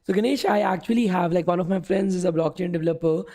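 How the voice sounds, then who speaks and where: A man's voice: high voice, fast, warm tone. A young man teaching a live coding class, his voice worn from talking all day. He talks casually, keeps saying "okay" and "guys", and answers questions from the chat. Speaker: coding bootcamp instructor. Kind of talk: live-streamed coding lesson.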